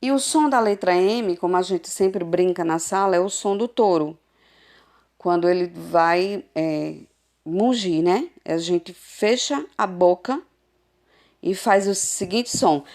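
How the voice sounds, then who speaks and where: A woman teacher giving a recorded adult literacy lesson over a phone, sounding out syllables slowly and patiently. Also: fairly low pitch, a little mellow. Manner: slow, patient, drawn-out syllables.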